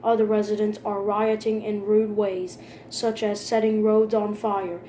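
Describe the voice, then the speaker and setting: A woman's voice: medium pitch, measured pace. A woman reading a scripted emergency broadcast announcement in a formal, impersonal manner. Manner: formal, impersonal, flat delivery. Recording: roomy echo with faint background noise.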